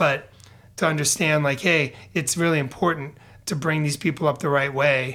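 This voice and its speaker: A man with a New York accent, a fairly high pitch, a bright, sharp tone and fairly even intonation speaks on a very clean recording with a silent background. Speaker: firefighter. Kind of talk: casual chat. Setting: studio.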